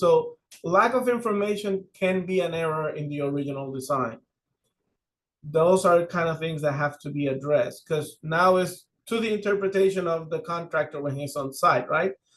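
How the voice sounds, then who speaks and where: A man with a Spanish accent talks in a high pitch with lively intonation. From Puerto Rico. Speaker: structural engineer. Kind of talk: webinar lecture. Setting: online webinar.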